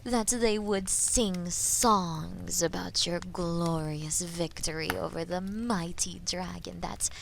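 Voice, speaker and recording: A woman performs a menacing dragoness in a fantasy audio drama, speaking extremely slowly in a lowish, breathy voice. She is haughty and condescending, taunting a captive knight with deliberate, theatrical relish. A light bed of ambient noise sits behind her. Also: steady tone, a bit bright, exaggerated voice. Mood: mocking, amused. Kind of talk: scripted fantasy audio roleplay addressed to the listener.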